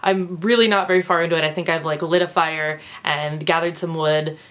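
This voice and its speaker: A young woman with a stuffed-up nose talks through her favorites in a loose, rambling vlog. Her voice sits a little low, and she chats casually, full of fillers and small laughs. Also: steady tone, fairly quick, fairly bright tone. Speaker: vlogger.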